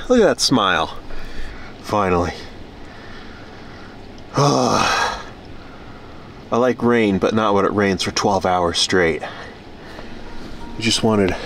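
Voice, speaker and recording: A man's voice: a bit bright, a little hiss or hum. A man in his thirties, talking glumly and mocking himself in a casual solo vlog, recorded close up inside a parked car at night. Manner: glum, self-mocking, low-key. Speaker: vlogger. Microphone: camera close by in the car.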